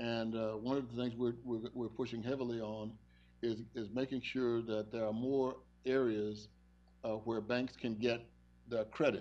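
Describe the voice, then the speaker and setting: At a moderate pace, a man speaks in a dark, mellow tone with monotone, flat intonation. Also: medium pitch for a man. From Texas. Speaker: congressional policy speaker. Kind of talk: speech at policy event. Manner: halting, many fillers.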